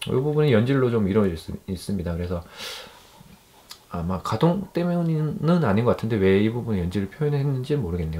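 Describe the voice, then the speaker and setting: Pitch swinging very widely, a man delivers his words at a fairly quick clip. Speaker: toy reviewer. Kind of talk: casual unboxing review talk to camera.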